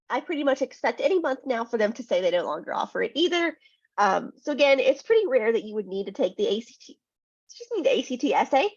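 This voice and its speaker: Brief: woman tutor, slightly high voice, a bit husky and sniffly, chatty webinar delivery. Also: no echo. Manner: chatty, frequent "um" and "right?". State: sniffly from a cold. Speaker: test prep tutor. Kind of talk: webinar presentation. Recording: dull lo-fi webinar audio.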